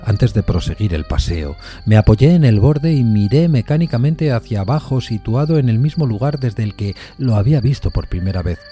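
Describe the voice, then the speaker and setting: A man narrating a literary suspense story in a measured, solemn manner. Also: medium pitch, expressive, warm tone, faint music behind.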